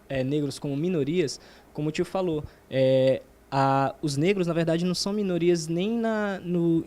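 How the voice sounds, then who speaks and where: Brazilian male panelist, slightly high voice, halting delivery. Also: darkish tone. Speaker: panel guest.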